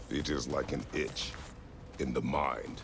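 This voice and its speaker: Over loud background noise, a man performs a put-on character voice at a fairly slow pace. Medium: video game. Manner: terse, clipped.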